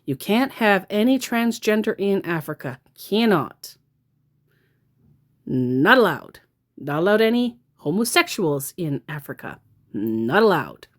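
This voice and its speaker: A woman's voice: lowish voice, sing-song, measured pace. A woman who baits scammers, narrating a casual vlog with a sarcastic, mocking manner. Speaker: scam baiter.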